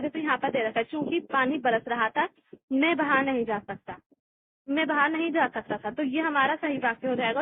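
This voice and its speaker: High-voiced woman teaching in a tinny recording. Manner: explains step by step, often restarting phrases and adding "अ"; reads textbook passages aloud slowly. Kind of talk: exam-prep lesson. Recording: tinny phone-like recording with faint hiss.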